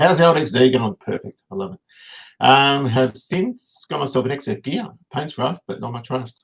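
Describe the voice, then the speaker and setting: Speaking at a moderate pace with an Australian accent, a man has a fairly high pitch, lively intonation and a somewhat breathy voice. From Australia, Melbourne eastern suburbs. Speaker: car restorer and teacher. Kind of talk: casual chat. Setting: livestream.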